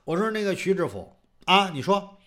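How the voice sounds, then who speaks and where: A man's voice: high voice, sing-song, normal speed, fairly bright tone. A man voicing a flustered young merchant who stammers and pleads his innocence before a judge. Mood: pleading.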